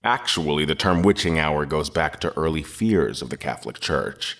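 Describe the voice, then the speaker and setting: A composed horror writer in an audio drama interview. His voice is deep, his delivery measured and pedantic, with a slightly superior air. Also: animated, vocal fry, fairly bright tone, full character voice. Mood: composed, polite. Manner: measured, precise, faintly superior. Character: composed, pedantic male horror novelist under questioning.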